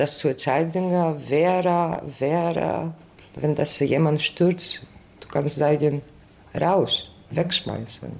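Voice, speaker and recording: Using vocal fry and a very deep, low pitch, a woman with a Greek accent speaks at a very slow pace. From Greece. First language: Greek (speaking German). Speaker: bar collective worker. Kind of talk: interview. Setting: café. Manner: halting.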